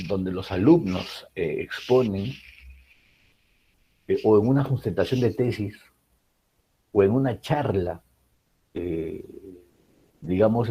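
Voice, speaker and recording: A man's voice: fairly low pitch, husky, dull audio. A man teaching a writing class, explaining public speaking with many rhetorical questions and fillers. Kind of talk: recorded class lecture.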